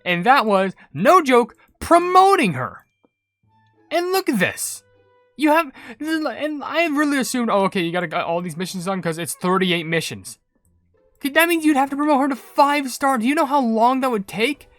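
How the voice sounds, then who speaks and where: A man giving excited, casual game commentary in a rambling, emphatic way as a video creator. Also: extremely high pitch, normal speed, no echo, soft background music.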